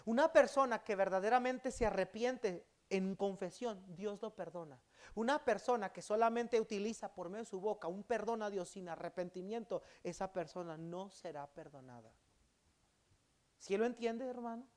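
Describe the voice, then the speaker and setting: A male pastor preaching a sermon in a church, swinging between loud emphatic bursts and quiet, low endings. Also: normal speed. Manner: acts out quoted speech in dialogue.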